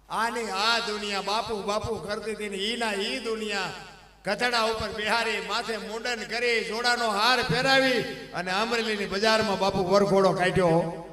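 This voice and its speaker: A man telling devotional folk stories on stage, emphatic and swelling into loud declamation. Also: high voice, recorded from a distance. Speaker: dayro storyteller. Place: live stage program. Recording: echoey hall with long reverb.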